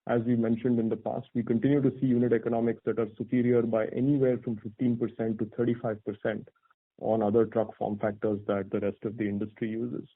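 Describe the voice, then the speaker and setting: A man speaking as a company executive, giving measured, articulate, corporate answers to analysts on an earnings call. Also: mid-range voice, flat delivery. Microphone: phone conference call. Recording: narrow, tinny conference phone line.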